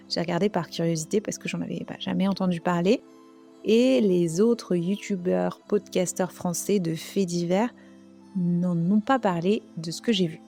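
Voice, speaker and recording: A woman's voice: medium pitch, creaky, mellow. Chatty French woman telling a case. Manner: chatty, conversational, with asides. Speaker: true crime podcaster. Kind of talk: casual storytelling narration.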